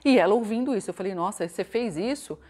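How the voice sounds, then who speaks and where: A Brazilian woman giving a motivational relationship talk in a conversational way, often asking tag questions and reciting mantras slowly and softly. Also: medium pitch, animated. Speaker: self-help and relationship coach.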